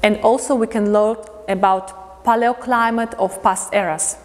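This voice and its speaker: A woman from Latvia gives a prepared lecture as an artist in English, halting as she looks for words. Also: fairly high pitch, steady tone, a little hiss or hum. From Riga, Latvia. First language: not English. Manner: halting, pausing to find words. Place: indoor museum lecture space. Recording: long reverberant hall.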